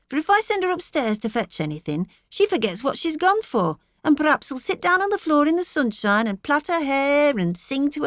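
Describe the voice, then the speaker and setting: A woman's voice: medium pitch, no echo, studio quality, voice pushed up, natural voice. A woman playing a fretful, complaining country mother. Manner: fretful, plaintive scolding.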